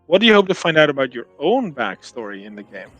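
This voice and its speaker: A man with a fairly high voice speaks hesitantly, stammering and restarting his sentences. His voice sounds dry and close, with no room around it, over an online call. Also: big pitch swings, fast talker, fairly bright tone, no echo, faint music behind, poor audio. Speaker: tabletop game player. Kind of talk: casual out-of-game chat on a stream.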